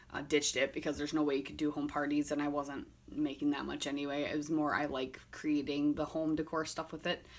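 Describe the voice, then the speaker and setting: A woman with a strong Minnesotan accent speaks at a very fast pace. Her very deep, low pitch stays in a monotone, flat intonation. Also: hardly any pauses. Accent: thick Minnesota. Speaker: scrapbooking YouTuber. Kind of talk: casual chat. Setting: home craft room. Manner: rambling, filler-heavy.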